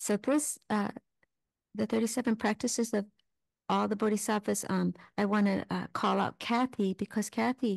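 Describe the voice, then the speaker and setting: A woman speaks at a fairly slow pace, her voice dry and close with no echo against a quiet background. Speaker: dharma talk teacher. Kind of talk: dharma talk. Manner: soft-spoken at times; halting.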